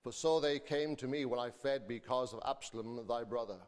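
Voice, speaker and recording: Man, preacher, mid-range pitch, sermon and Bible reading delivery, large echoey church hall. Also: fairly quick. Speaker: preacher and school teacher. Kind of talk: informal sermon, congregation quiz and scripture reading. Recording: echoey hall with long reverb.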